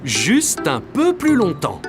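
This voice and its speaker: A man voicing a kind, playful dad in a dubbed cartoon, gentle and teasing. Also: high voice, huge pitch swings, slow, exaggerated voice. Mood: friendly. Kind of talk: French-dubbed cartoon acting. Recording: with music behind.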